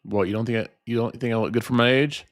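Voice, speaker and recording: A man's voice: medium pitch, fairly even intonation, fast. A man in his late twenties chatting casually with his live-stream viewers while trading, teasing them and laughing often. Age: 20s.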